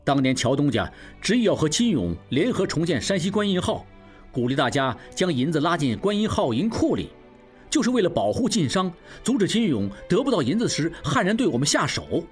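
A man's voice: a little high, very animated, brisk, soft background music. A man voicing an effusive, admiring male merchant in an audiobook. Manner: effusive, praising.

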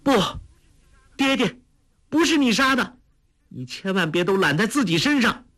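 A man voicing a spirited young woman in a storybook, pleading and coaxing her father in a falsetto. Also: very animated, normal speed, pushed and bright, heavily acted.

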